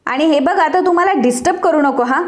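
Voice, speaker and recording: A stubborn young woman designer who talks back defiantly, as a woman reading a serial recap puts her on. The voice is high, close to the reader's own, told like a storybook retelling. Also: a little fast, lightly acted.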